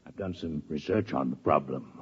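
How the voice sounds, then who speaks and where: Deep, husky, courteous alien doctor. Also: male voice, full character voice. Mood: calm, lecturing. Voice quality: imperfect articulation from an oddly built mouth. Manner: formal, precise, measured. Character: courteous, scholarly male alien doctor with bovine face. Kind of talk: 1950s radio drama acting. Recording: muffled old radio recording with long reverb.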